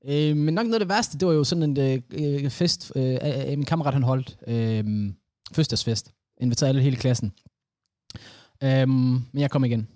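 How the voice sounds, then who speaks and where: A young man co-hosting a podcast in casual chat, jokey and quick to laugh, trailing off with fillers. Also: medium pitch, darkish tone, no echo, clean studio sound. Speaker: podcast co-host.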